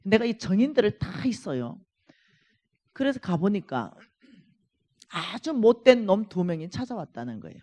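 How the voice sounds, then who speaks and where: A woman's voice: medium pitch, big pitch swings, moderate pace, long pauses, dark tone. A woman preaching at a church revival meeting, reading scripture dramatically and stressing words hard. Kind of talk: sermon.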